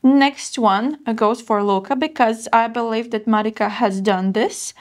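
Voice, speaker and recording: A woman's voice: on the high side, fairly even intonation, unhurried. A woman hosting a podcast interview, upbeat and encouraging, with lots of small agreeing hums. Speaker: host.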